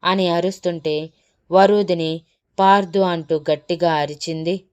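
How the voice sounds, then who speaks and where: Smooth-voiced woman narrating a romance. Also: low voice, unhurried. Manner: dramatic, even-paced storytelling. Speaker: storyteller. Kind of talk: scripted narration of a romance serial.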